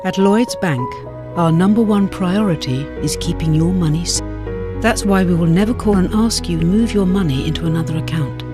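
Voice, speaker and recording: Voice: mid-range voice, moderate pace. An advert voice-over reading scripted narration, with music behind. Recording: voice over new-age music.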